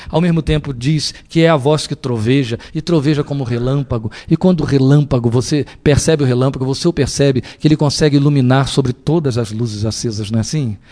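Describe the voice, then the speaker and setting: A male pastor preaching a sermon in an animated way, often asking the congregation rhetorical questions. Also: mid-range voice, fast, few pauses.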